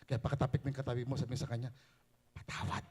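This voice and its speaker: A male pastor preaching a sermon, switching between Tagalog and English with animated, rising emphasis. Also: medium pitch, rapid-fire, husky.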